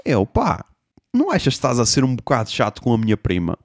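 A young man telling a comic story, animated, swearing and making sound effects. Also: medium pitch, fast talker, no echo, clean studio sound. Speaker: podcast host.

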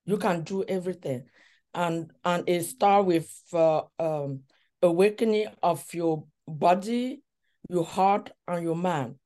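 Middle-aged woman from cameroon, talks real slow, pauses and ums a lot, interview guest. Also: lowish voice, warm tone. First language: a language of Cameroon. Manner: slow, thoughtful storytelling with frequent pauses and fillers. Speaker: relationship coach.

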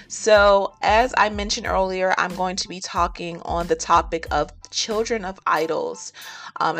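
A woman with a low, gravelly voice teaches the Bible in an earnest, chatty way. She fills her talk with ums and falls into preacherly rhymes. Faint music plays behind her. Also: fairly bright tone. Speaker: podcast host and teacher.

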